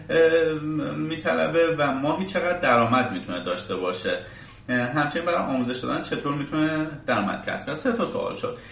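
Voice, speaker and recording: A man's voice: on the high side, vocal fry, fairly bright tone. Echoey, distant male interviewer. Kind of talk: conversational interview. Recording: echoey distant mic, muffled, faint hiss.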